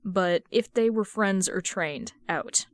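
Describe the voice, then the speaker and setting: A woman's voice: medium pitch, slow, dry recording, close to an everyday voice. A woman reading the part of a teasing young man, a sarcastic best friend with a casual manner, in a story. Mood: wry.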